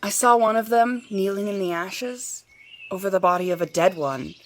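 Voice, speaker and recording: A woman's voice: mid-range voice, moderate pace, close to an everyday voice. Earnest, sentimental female outdoor type for audio drama, played by an actress; natural delivery, some noise. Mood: sad, tearful. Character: earnest woman who secretly watches Sasquatch, easily moved.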